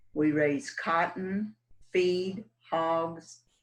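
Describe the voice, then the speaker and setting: A woman's fairly low voice with a Texan accent, very slow in pace and fairly even in intonation. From Texas, Lubbock. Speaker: city council candidate. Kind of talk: interview.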